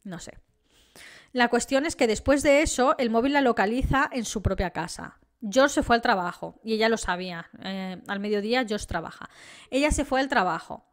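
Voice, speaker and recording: A woman's voice: fairly high pitch, lively intonation, moderate pace. A young woman with an accent from Spain, telling a true crime story in a casual, indignant way and talking straight to her viewers. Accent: Spain Spanish. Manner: indignant, chatty, addresses viewers directly.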